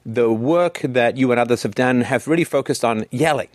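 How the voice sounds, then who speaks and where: A middle-aged man hosting an interview, speaking close to the mic in a dry, dead room. He asks long questions and slips in deadpan jokes. His voice sits at an ordinary middle pitch for a man. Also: moderate pace, dry recording. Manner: dry, joking asides, acts out quoted parents. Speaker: interview host. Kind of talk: conversational interview.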